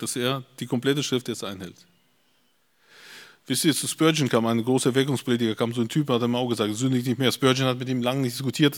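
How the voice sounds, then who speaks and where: A middle-aged man preaching a blunt, emphatic sermon, his voice swinging between loud outbursts and quiet asides. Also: mid-range voice, big-room sound.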